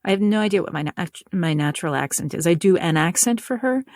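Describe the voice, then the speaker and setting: A woman's voice: fairly low pitch, expressive, fast talker, darkish tone, no echo, clean studio sound. A woman from North Carolina with a Southern US accent, a guest author in a casual interview, talking reflectively in long winding sentences.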